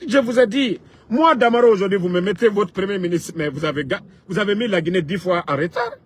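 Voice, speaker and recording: A man delivering an impassioned political rant, emphatic, swinging between loud outbursts and low asides, with a husky voice. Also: fast. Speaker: political commentator.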